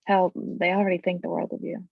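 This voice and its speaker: A woman's voice: fairly low pitch, level tone, a little fast, gravelly, dry recording, phone-quality sound. A woman reading the part of a steadfast, plucky miner's wife and mother in a screenplay table read, over thin call audio. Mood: reassuring.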